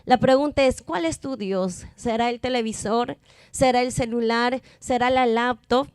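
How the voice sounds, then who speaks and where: A woman gives a testimony sermon in a high, smooth, resonant voice. She presses her point with emphatic, repeated rhetorical questions. The sound is dry and close. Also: measured pace, darkish tone, no echo. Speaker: preacher.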